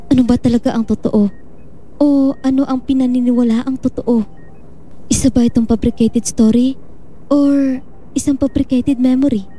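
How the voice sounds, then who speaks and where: A woman's voice: sits high, steady tone, a little slow, long pauses, dark tone, slight background noise, poor audio. A woman acting a patient, pensive doctor in an audio drama.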